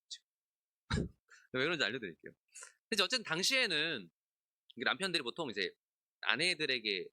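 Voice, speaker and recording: A man's voice: mid-range voice, sharp tone, no echo, studio quality. A man pastor giving an expository sermon at a midweek service, talking in a conversational way, asking the congregation questions and acting out characters in asides. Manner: acts out biblical characters in asides, laughs often.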